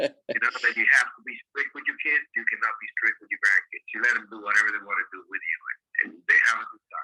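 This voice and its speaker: In a dry, close recording with no echo, a man talks at a very fast pace with hardly any pauses and big swings in loudness. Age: 60s. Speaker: land seller. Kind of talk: casual phone chat.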